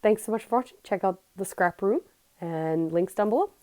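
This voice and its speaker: A woman's voice: medium pitch, expressive, moderate pace, darkish tone, no echo. A woman hosting a scrapbooking channel, narrating her project in a chatty, rambling way that trails off and corrects herself. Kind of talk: casual craft voice-over.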